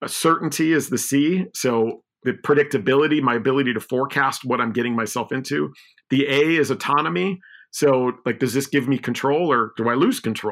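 In a very clean recording with a silent background, a man with an American accent and an unremarkable speaking voice talks at a fairly quick pace, medium pitch and ordinary pitch variation. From US Midwest, Chicago. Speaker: sales executive and author. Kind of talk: podcast interview.

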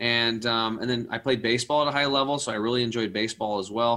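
A man speaks at a medium pitch in an unremarkable speaking voice. The intonation remains fairly even. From Eastern Oregon, US. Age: 40s. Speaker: health coach. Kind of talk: reading aloud a list; casual chat.

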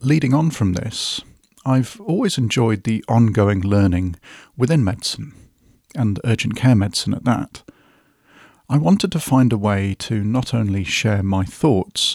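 Speaking at a fairly slow pace with an English accent, a man is heard on a very clean recording with a silent background, the sound dry and close with no echo. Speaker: podcast host and doctor in urgent care. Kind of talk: scripted reflective monologue.

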